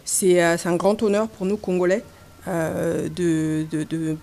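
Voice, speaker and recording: A woman's voice: on the low side, steady tone, measured pace, a little mellow. A woman journalist, a Swahili speaker, putting a question at a press conference and often searching for her words.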